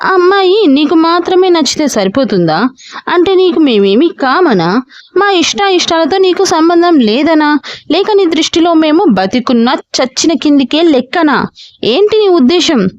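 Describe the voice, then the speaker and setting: A woman's voice: high voice, expressive, normal speed, no echo, muffled recording. A woman voicing an angry middle-aged mother who scolds her son in a raised, emotional voice.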